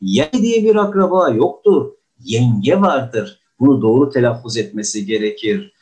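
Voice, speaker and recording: With a mid-range, expressive voice that is slightly slow and a bit mellow, an older man teaches diction, lecturing on pronunciation. He is courtly, often says "efendim," and demonstrates sample words with exaggerated delivery.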